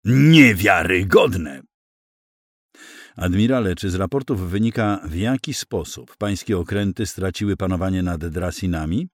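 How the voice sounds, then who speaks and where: Male reader as an indignant council member, low, demanding, dry close mic. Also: normal speed, hardly any pauses, darkish tone, no echo, natural voice. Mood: outraged. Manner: incredulous, demanding.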